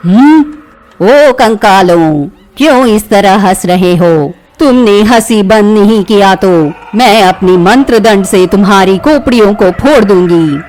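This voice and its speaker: A woman's voice: medium pitch, animated, darkish tone, pitched above the performer's own voice, close to an everyday voice. A woman voicing a stern old village sorceress in a storybook. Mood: scolding. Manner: slow, commanding, scolding.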